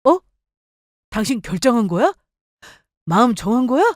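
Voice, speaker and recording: A woman's voice: fairly high pitch, sing-song, normal speed, no room sound, studio quality. A woman voicing an eager, pushy young husband with a wheedling manner.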